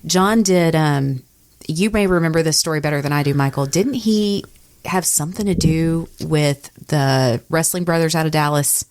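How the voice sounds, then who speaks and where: A woman's voice: low-pitched, moderate pace, a little mellow. A middle-aged woman co-hosting a podcast, reminiscing in casual conversation. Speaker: podcast co-host.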